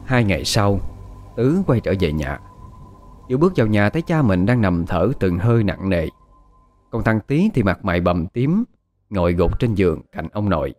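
A man narrating a dramatic audio story in an expressive storytelling manner. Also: on the low side, moderate pace. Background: faint background music.

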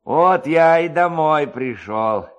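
A man's voice: on the high side, lively intonation, takes it slowly, dull audio. A man voicing a coarse, stubborn drunken peasant who mutters and repeats himself, in a storybook reading. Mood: grumbling, weary.

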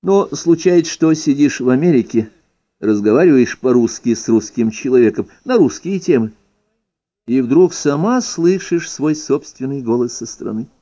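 Man reading aloud, lively ironic lilt. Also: mid-range voice, normal speed. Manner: expressive, ironic, lively emphasis. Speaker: reader. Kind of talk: reading an ironic first-person essay aloud. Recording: dull lo-fi recording.

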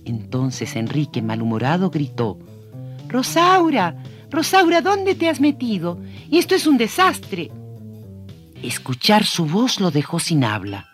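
A man telling a story on a children's radio show, speaking expressively and addressing young listeners directly. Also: fairly high pitch.

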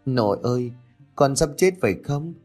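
A man voicing a sickly, remorseful teenage girl in a spoken ghost story, talking in a soft, pleading way. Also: medium pitch, lively intonation, normal speed, faint music behind, pitched above the performer's own voice, lightly acted. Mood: sorrowful, pleading.

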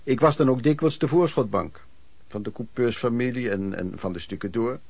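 A man's voice: mid-range voice, moderate pace, vocal fry, darkish tone, dry recording. An actor playing a former street peddler who frankly recounts his youth as radio play narration, in a conversational way. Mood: reflective. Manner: conversational storytelling.

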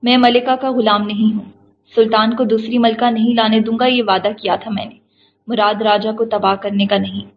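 A defiant male slave speaks in a commanding way in a storybook , voiced by a woman reader. The voice is a little high, and the recording is slightly dull with faint hiss. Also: flat delivery, lightly acted.

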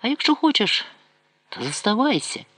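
Kind young village girl, tender, fussing, high voice, man voicing her. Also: very animated, normal speed, a bit bright, no echo, full character voice. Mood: wistful.

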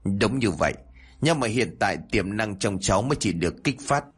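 A man voicing a kindly older male exorcist who calmly explains things to a girl. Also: fairly low pitch, moderate pace, husky. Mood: earnest.

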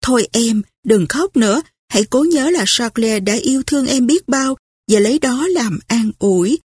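A woman voicing a gentle, patient young sister-in-law in a storybook reading, with a soft, soothing manner. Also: a little high, lively intonation, normal speed, husky, no room sound, studio quality.

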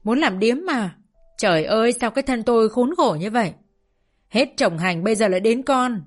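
A woman's voice: animated, fairly quick, soft background music, lightly acted. A woman reading an audiobook, voicing a furious middle-aged mother who screams abuse at her daughter. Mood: wailing. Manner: shrill, raging, abusive scolding.

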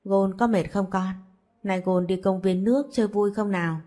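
A woman voicing a kind, caring young woman who speaks in a gentle, coaxing way. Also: medium pitch, fairly even intonation, moderate pace, natural voice.

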